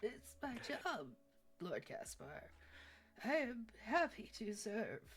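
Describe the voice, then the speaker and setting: A put-on character voice with a fairly high pitch moves at a very slow pace. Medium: actual play. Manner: stammering, deferential.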